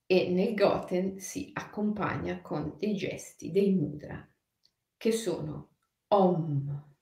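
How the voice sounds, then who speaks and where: A woman teaching a guided spiritual lesson, drawing out chanted syllables slowly and answering viewers by name. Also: fairly low pitch, vocal fry, dark tone. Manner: slow, drawn-out chanting of syllables. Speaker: meditation teacher. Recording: roomy echo.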